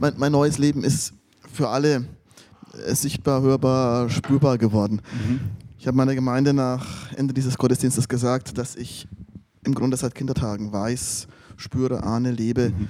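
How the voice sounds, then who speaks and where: Dark and mellow in tone, a man speaks at a moderate pace with monotone, flat intonation and long, frequent pauses. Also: medium pitch for a man. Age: 40s. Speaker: pastor. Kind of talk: interview testimony. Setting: in-person recording in a lounge room.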